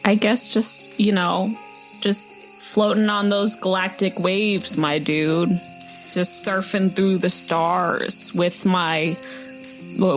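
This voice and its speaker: A woman voicing a laid-back, dreamy surfer-dude cosmic turtle in a mellow drawl for a tabletop game podcast. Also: lowish voice, low-quality recording. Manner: drawling, mellow slacker delivery. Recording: music and chirping insects behind.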